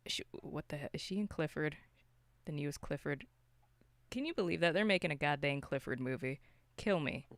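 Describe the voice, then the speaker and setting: A podcast host chatting casually about films and games in an animated, self-interrupting way with some mild swearing. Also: medium pitch, moderate pace, no echo. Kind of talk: casual film and game discussion.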